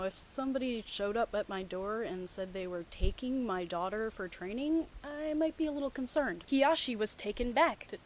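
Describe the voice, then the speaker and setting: An online comedy commentator, a woman with a slightly high voice, reads fan fiction aloud and breaks in with sarcastic, exasperated remarks. It's a rough, amateur home recording with background static.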